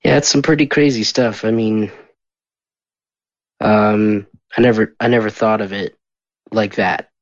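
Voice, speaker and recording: Halting low-voiced male interviewer. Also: fairly even intonation, dry recording, muffled recording. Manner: halting, stumbles over words. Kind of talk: casual interview.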